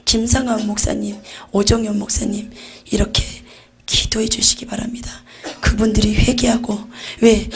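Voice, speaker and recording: A woman's voice: a little high, vocal fry. A woman giving an intense religious testimony about visions, often dropping to a near-whisper. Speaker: testimony giver.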